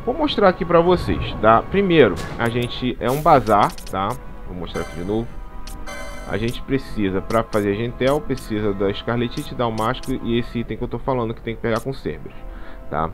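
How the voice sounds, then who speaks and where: A man's voice: medium pitch, animated, moderate pace, soft background music. A man with a Brazilian Portuguese accent giving a casual game walkthrough, chatty and tagging "tá?" onto nearly every phrase. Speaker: gaming channel host. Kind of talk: casual gameplay walkthrough commentary. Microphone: voice-over commentary over game capture.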